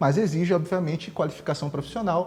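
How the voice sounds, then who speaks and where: Speaking at a very fast pace, a man talks in a Bahian accent. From Bahia, Brazil. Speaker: sign language interpreter and teacher. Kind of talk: TV interview.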